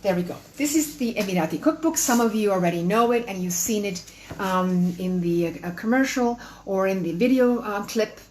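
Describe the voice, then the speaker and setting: A middle-aged Canadian-Chilean woman hosts a live cooking stream, chatting warmly and directly with her viewers in an expressive, mid-range voice that's a little mellow and moves at normal speed. Her son holds the camera at a distance, so the sound is roomy and distant with a faint hum.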